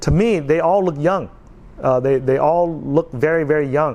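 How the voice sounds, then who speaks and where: A man with an American accent speaks in a normal speaking voice. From Vietnam, raised in the US. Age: 40s. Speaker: YouTuber. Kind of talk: vlog monologue. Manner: casual, repetitive filler.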